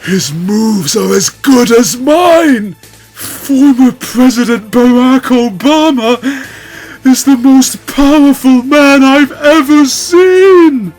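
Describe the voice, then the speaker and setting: A man's voice: very high voice, takes it slowly, a little mellow, soft background music, voice pushed up. A man voicing an anguished, overwrought male cartoon cat hero with screaming, melodramatic delivery in a comic story. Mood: despairing awe.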